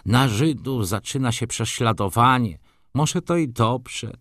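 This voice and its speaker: A man's voice: medium pitch, expressive, unhurried, fairly bright tone, no echo, studio quality, pitched above the performer's own voice. A man voicing an elderly, grey-bearded Jewish moneychanger who chats and complains in broken, old-fashioned grammar. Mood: grumbling, chatty.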